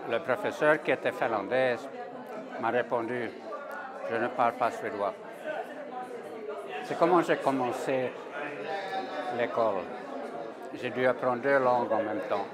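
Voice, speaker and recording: A man's voice: mid-range voice, unhurried, pauses often. A man in his seventies, a native Swedish speaker, fluently telling an anecdote with dry humor. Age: 70s. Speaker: alumnus. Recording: busy reception crowd behind.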